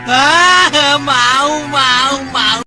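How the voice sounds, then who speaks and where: A man's voice: a little high, drawn-out words, sharp tone, soft background music, full character voice. An actor playing a simple-minded, humble male servant who tends horses, fawning and calling his master sir, in a radio drama. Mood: overjoyed.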